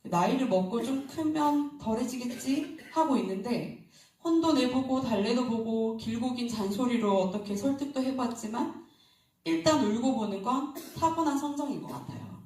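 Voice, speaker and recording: A woman's voice: on the high side, moderate pace, dark tone, slight background noise. A woman preacher giving an early-morning sermon in a church, talking conversationally and asking the congregation questions. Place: church sanctuary. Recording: very echoey hall, distant mic.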